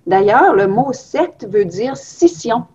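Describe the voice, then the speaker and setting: A woman in her forties, originally from Belgium, calmly explains her experience to an interviewer. Her voice is a little breathy and husky, and the webcam audio sounds somewhat muffled and lo-fi. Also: fairly high pitch, slow pace. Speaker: guest. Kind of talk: reflective interview answers. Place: home room on a video call. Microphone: webcam on a video call.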